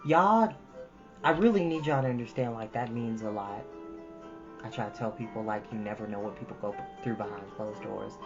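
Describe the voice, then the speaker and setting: A woman's voice: a bass voice, a little fast, muffled recording, music in the background. A woman hosting storytime, reading expressively and chatting casually to listeners. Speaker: storytime host and reader.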